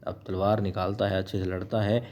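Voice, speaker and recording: Deep-voiced man retelling a TV episode. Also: little pitch movement, a little fast, a little mellow. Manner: chatty, addresses viewers as friends, repeats "yes indeed". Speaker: TV serial episode recap narrator. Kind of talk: storytelling recap of a TV episode.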